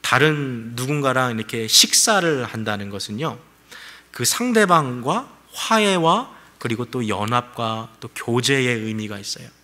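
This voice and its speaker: Bright-voiced man preaching conversationally. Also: mid-range voice, expressive, measured pace. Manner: conversational preaching with rhetorical questions. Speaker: pastor. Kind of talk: sermon.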